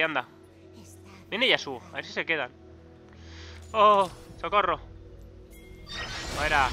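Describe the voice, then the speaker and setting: Excitable high-voiced Spanish gamer. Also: male voice. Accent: Peninsular Spanish. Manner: excitable, swearing, frequent loud outbursts. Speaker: gaming YouTuber. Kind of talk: live gameplay commentary.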